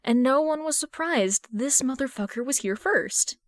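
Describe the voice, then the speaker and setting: A woman reading out the messages of excitable online fans in a story, gushing and slangy. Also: high voice, normal speed, dry recording, studio quality, pitched above the performer's own voice. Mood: teasing. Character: excitable online fans typing in a stream chat.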